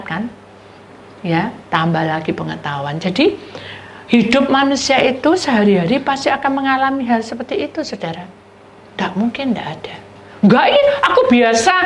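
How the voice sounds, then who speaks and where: A woman's voice: medium pitch, a little hiss or hum. A middle-aged woman pastor, preaching a sermon and telling personal stories, acting out the voices of the people in them. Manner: lively storytelling, acts out voices of neighbors and God, addresses listeners as saudara.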